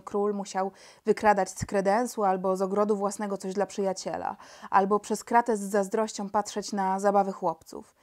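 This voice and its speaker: A woman narrating a children's audiobook with expressive storytelling. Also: medium pitch.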